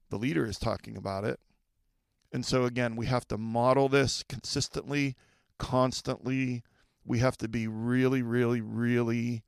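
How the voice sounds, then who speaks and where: A man's voice: mid-range voice, gravelly, dry recording, clean studio sound. A middle-aged man hosting a podcast for school leaders, talking conversationally, repeating key points and checking in with listeners. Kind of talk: solo podcast advice talk.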